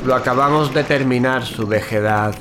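A man's voice: medium pitch, moderate pace, noisy background, lightly acted. A man playing a wry, weary, obedient underling with a colloquial, joking delivery in a comedy horror audio drama. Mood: servile.

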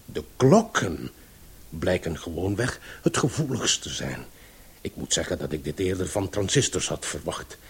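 A pedantic scientist in a Dutch radio play. His voice is low and badly husked, yet it swings widely in melody. He lectures didactically, with great emphasis. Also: very animated, moderate pace, creaky, slightly rough, full character voice. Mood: emphatic lecturing. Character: pedantic male scientist expounding absurd theories.

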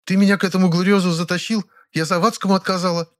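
A temperamental older actress in a storybook reading, her voice pitched up high and sharp, as a male reader puts her on. She scolds and flares up in indignant outbursts, loud and imperious. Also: level tone, fast. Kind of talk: audiobook character voice.

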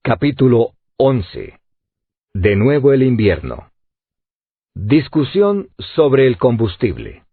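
A man narrating an audiobook in an expressive storytelling reading. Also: medium pitch, takes it slowly, long pauses, breathy edge, dry recording. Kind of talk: scripted narration. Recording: dry, tinny phone-like sound.

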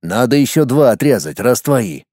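A man voicing a blunt tribal warrior who speaks gruffly and insistently. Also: mid-range voice, very animated, moderate pace, a little mellow, no room sound, studio quality, close to an everyday voice. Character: blunt tribal warrior, right hand of the chief.

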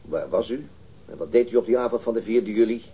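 An actor playing a stern, methodical police interrogator in a radio crime drama, speaking in a formal, curt, commanding way. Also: male voice, fairly low pitch, lively intonation, fast, slight background noise, close to an everyday voice. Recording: dull, muffled radio drama recording.

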